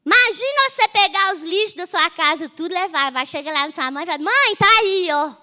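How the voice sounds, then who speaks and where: An older woman with a Minas Gerais accent spins humorous folksy stories as a guest author on a panel. Her voice sits high and bright. She keeps pulling the listener in with little "não é?" questions. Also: a little fast. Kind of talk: folksy storytelling on a festival panel.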